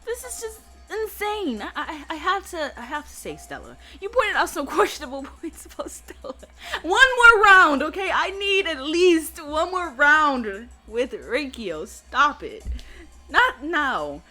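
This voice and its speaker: Excitable woman gaming commentator. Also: high-pitched, slow, soft background music. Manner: excitable, stammering, reacts out loud. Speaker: let's play host. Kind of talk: game commentary.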